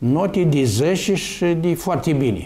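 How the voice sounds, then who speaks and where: Lively intonation marks this man's delivery. The tone of his voice is dark and mellow. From Romania, Moldavia (Dumbrăveni, Suceava); Moldavia, Romania. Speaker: interview guest. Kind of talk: TV interview. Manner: rambling, conversational. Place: hall.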